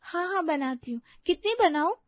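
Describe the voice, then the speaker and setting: A woman's voice: very high voice, animated, moderate pace, dry recording, dull audio, pitched above the performer's own voice. A woman voicing a careless, naive young daughter-in-law in a cartoon story, speaking in a whiny, innocent way. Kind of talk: Hindi cartoon story voice acting.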